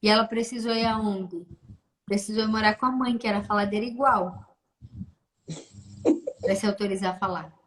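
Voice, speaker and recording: Brazilian woman therapist host, mid-pitched voice, direct and encouraging, on a call. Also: fairly even intonation, moderate pace, pauses often, a bit bright, a little hiss or hum, low-quality recording. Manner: direct, encouraging, asks pointed questions. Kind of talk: therapeutic conversation.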